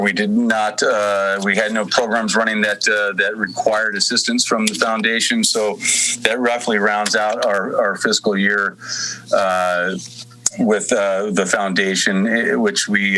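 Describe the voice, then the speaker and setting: A man's voice: fairly low pitch, sharp tone, a little hiss or hum, poor audio. A man giving a verbal staff report at a formal meeting, businesslike but hesitant, often restarting his phrases. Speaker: staff member reporting to commission.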